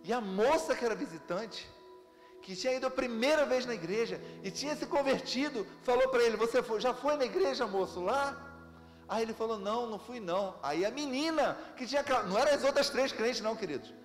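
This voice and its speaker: High-voiced Brazilian pastor preaching. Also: male voice, fast talker, long reverb tail, faint music behind. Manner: lively storytelling with laughter. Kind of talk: sermon. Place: church sanctuary.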